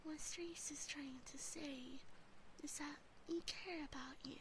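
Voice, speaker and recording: A woman voicing a possessive, affectionate demon sister in an ASMR roleplay, soft and breathy at a close microphone. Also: sits high, steady tone, slow pace, a little hiss or hum. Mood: tender, explaining. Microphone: close binaural microphone.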